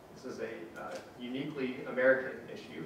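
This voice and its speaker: Over light background noise and audible room echo, a man speaks at a medium pitch. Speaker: safe streets advocate. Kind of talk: panel presentation. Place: hall.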